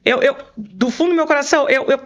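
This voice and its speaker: A woman English teacher in a casual podcast chat, talking expressively and rising in pitch when she gets enthusiastic. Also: fast, muffled recording.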